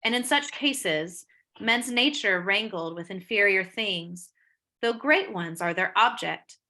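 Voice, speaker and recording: A woman reading the part of a gentle, troubled young noblewoman in Shakespearean verse, earnest and expressive. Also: medium pitch, takes it slowly. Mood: troubled, self-reproaching. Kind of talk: Shakespeare read-aloud, dramatic verse.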